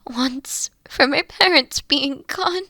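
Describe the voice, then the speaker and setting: Tender, teasing young queen woman acting, mature beyond her years, very unhurried delivery, intimate dry sound, roleplay audio. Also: sits high, dry recording, exaggerated voice. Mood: tearful, grieving. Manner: slow, soft-spoken, drifting into breathy whispers. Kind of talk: scripted roleplay audio drama, intimate one-on-one.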